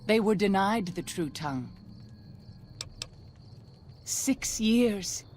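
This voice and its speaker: A woman's voice: mid-range voice, animated, drawn-out words, a little mellow. Brief: devout tribal woman, formal and reverent, game dialogue, faint hiss. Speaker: game character.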